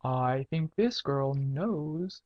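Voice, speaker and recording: Lady doing a jolly old medieval baron dad, low voice, roguish n exclaiming, storybook style, kinda muffled lo-fi audio. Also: lively intonation, extremely slow, full character voice. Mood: roguish, teasing. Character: blustering, jovial medieval baron, an older father. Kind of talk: humorous storybook character voice. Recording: dull lo-fi audiobook recording.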